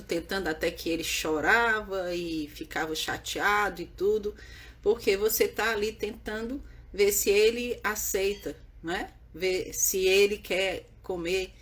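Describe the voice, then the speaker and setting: Husky-voiced woman explaining patiently. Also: mid-range voice. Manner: earnest, repetitive, checks in with "né?" and "certo?". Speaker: baby sleep educator. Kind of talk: explaining to viewers on camera.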